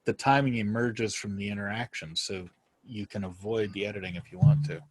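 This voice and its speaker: Halting, conversational man with dry studio sound. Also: fairly low pitch, fairly even intonation, no echo, low-quality recording. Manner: halting, circles a topic before landing on it. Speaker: podcast guest, writer and podcaster. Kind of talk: casual conversational interview.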